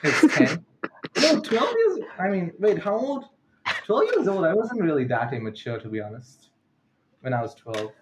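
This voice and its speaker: A man's voice: high voice, sing-song, moderate pace, background noise. A teenage boy from the Maldives hosting a casual chat, rambling and correcting himself as he reads out questions. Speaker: podcast host.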